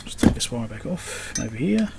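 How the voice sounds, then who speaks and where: A man's voice: mid-range voice, sing-song, normal speed. A man giving casual hands-on commentary, muttering to himself as he works at a bench indoors. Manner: muttering to himself while working. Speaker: electronics repair video host. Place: indoor electronics workbench. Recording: clearly noisy workbench recording.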